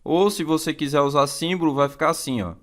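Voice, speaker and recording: A man's voice: a little high, a little fast. A man with a Brazilian accent teaching an exam-prep lesson in a didactic way, repeating key phrases and checking in with listeners.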